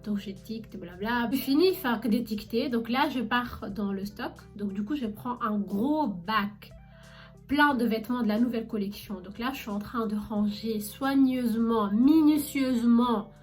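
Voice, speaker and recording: A woman's voice: fairly high pitch, normal speed, soft background music. Chatty young woman telling a vlog story. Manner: chatty and animated, addresses viewers directly with many fillers. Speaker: vlogger recounting her job as a shop saleswoman.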